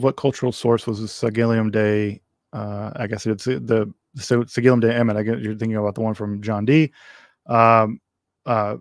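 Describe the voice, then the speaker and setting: A man's voice: lowish voice, no echo, clean studio sound. A man hosting a casual livestream Q&A, answering viewer questions in a rambling way with many ums, restarts and wry asides.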